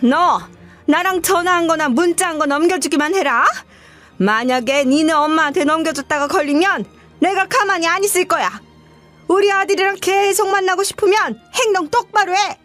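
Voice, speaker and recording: Lady putting on a stuck-up in-law mom, high sharp voice, scolding and looking down on people. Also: normal speed, soft background music. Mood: scornful. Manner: sneering, belittling, shrill scolding. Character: haughty scornful middle-aged woman, future in-law.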